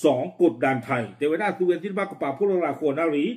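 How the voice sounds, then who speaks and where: A man presenting and commenting on the news in a rapid, informal way, with many fillers. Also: a little high, darkish tone. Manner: quick, running commentary with frequent fillers.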